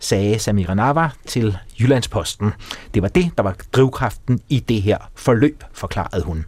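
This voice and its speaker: A man with a plain, everyday voice speaks at a fairly slow pace with lively intonation. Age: middle-aged. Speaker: radio host. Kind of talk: radio talk show interview.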